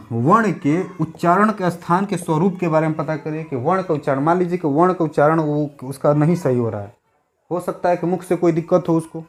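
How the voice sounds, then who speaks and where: A young male teacher delivers an exam-prep lesson in a somewhat high voice. He keeps repeating key terms and putting rhetorical questions to his listeners.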